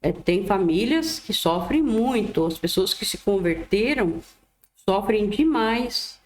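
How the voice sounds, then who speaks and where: A woman reading the Bible aloud in a gentle, devout way, adding her own commentary and a prayer. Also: mid-range voice, expressive, slow pace. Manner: gentle, devout, often adds "né". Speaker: Bible reader. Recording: echoey room.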